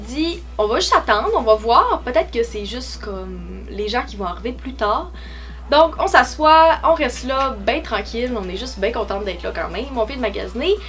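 A woman speaks with a Quebec accent at a moderate pace. Faint music plays in the background. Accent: regional Quebec French. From Saguenay-Lac-Saint-Jean, Quebec, Canada. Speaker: YouTuber, business student. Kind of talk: casual storytime talk to camera. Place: home room.

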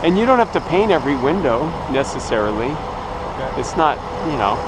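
Moderate pace against loud background noise. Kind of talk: casual work conversation. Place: street. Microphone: phone near.

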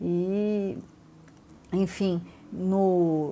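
Dark, mellow tone from a woman, intonation fairly even. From São Paulo, Brazil. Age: 50s. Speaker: novelist; interviewee. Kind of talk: literary interview. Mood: calm, reflective. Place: home room. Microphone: lapel.

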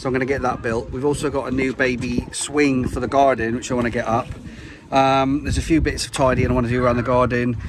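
A man rattles along at a very fast pace in a monotone, flat intonation. The sound is dry with no echo, with noticeable background noise. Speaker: family vlogger. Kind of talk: casual vlog chat. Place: street. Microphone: phone near.

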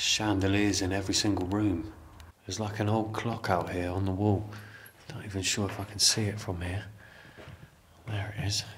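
At a moderate pace, a man talks in a fairly low pitch with flat, monotone intonation, long and frequent pauses, and light background noise. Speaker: urban explorer vlogger. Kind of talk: casual vlog chat. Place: hall. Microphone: phone near.

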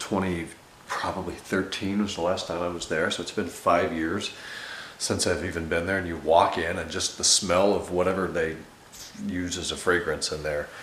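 Through audible room echo and light background noise, a man with a very deep, low pitch talks at a moderate pace in a monotone, flat intonation. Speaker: vlogger. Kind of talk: casual vlog chat. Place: garage. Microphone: phone near.

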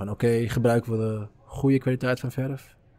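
This man has an ordinary speaking voice. He talks at a moderate pace with fairly even intonation. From Tunisia. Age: 30s. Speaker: hostel facilities manager. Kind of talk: interview. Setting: in a hostel.

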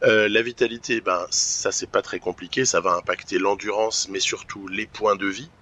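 A man speaking fairly slowly with hardly any pauses. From French-speaking. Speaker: gaming YouTuber. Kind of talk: gameplay tutorial. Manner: halting, many fillers.

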